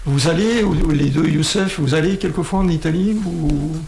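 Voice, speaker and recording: A man hosting a relaxed interview, speaking in a somewhat high, gravelly voice. He asks friendly questions and often pauses, hesitates and restarts his sentences. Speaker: host interviewing students. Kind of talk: casual radio-style interview.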